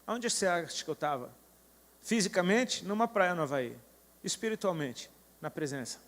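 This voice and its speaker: Middle-aged male preacher, high-pitched, storytelling sermon with passionate build-ups, long echoing reverb. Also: animated, moderate pace, fairly bright tone. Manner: storytelling, building to fervent declarations.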